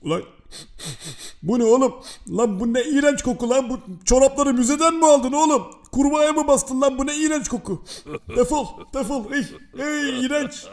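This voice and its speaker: A man's voice: extremely high pitch, moderate pace. A man voicing a brash, foul-mouthed male house cat who curses and exclaims at everything. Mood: disgusted mockery. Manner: cursing, jumpy, exclaiming. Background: music.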